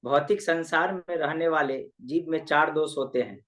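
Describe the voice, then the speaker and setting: A male student reading a scripture passage aloud in class, steady with small hesitations. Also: on the high side, normal speed.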